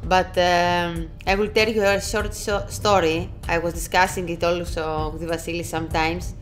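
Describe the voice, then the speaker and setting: A woman from Greece with a naturally loud voice, chatting in hesitant English full of fillers while walking around a motor show. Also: lowish voice, level tone, normal speed, soft background music. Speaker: co-presenter. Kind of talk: casual chat at a motor show. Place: busy indoor motorcycle exhibition hall. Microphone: clip-on mic worn by co-presenter.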